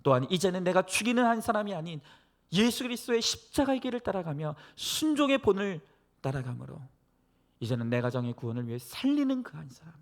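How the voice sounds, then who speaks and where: A male pastor preaching and praying earnestly to a congregation, exhorting them with phrases that swell from hushed to emphatic. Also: high voice, very animated, a little fast. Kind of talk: sermon and prayer to a church congregation.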